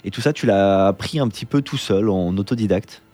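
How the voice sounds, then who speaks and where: A man's voice: on the low side, fairly quick, mellow, soft background music. A man hosting a podcast, introducing the episode and asking informal, friendly questions. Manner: friendly, informal, uses "tu" with the guest. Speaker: podcast host.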